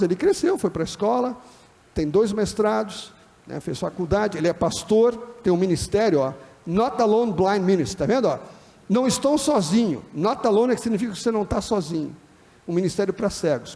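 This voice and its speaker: A high-pitched man with a Brazilian Portuguese accent gives a class as a pastor. He talks in a relaxed, conversational way and keeps checking that the audience is following. His voice carries a long reverb from a lecture hall. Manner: acts out quoted dialogue in other voices. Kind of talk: classroom lecture on church and disability.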